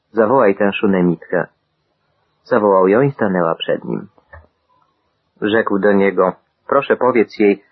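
A man giving a steady, measured Bible reading, voicing the quoted dialogue in the same even manner. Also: lowish voice, slightly rough, narrow, tinny audio. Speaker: scripture reader.

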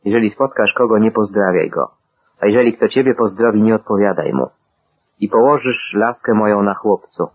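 A solemn male prophet, as a man reads him speaks in a low, husky voice. His commands come slow and measured. The sound is thin and tinny, like an old radio broadcast. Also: no room sound.

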